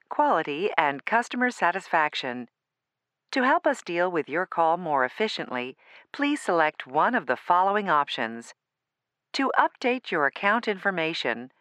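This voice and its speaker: A woman reading a scripted automated phone menu in a formal, clearly enunciated customer service manner. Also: on the low side, fairly bright tone, dry recording, clean studio sound.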